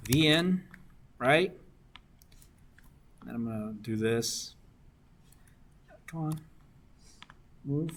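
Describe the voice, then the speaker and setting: A man's voice: mid-range voice, lively intonation, drawn-out words, pauses often, slight background noise. A young man working circuit homework problems for a class, often asking "right?" to check that students follow. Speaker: engineering discussion instructor.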